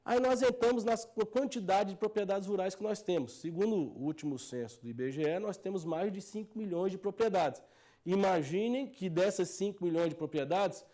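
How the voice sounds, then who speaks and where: A man's voice: sits high, moderate pace, warm tone. A man with a Brazilian Portuguese accent, a technical advisor giving an explanatory lecture to farmers, earnest and driving his points home with repeated phrases.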